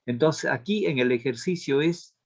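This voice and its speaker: A man's voice: fairly high pitch, normal speed, a little mellow. A male language teacher giving a lesson on accent marks, explaining step by step and repeating key points.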